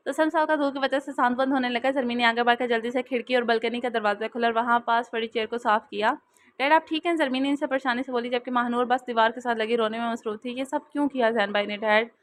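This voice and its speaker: A woman narrating a romance novel aloud in a steady, expressive storytelling manner. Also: a little high, fast talker, few pauses. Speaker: audiobook narrator.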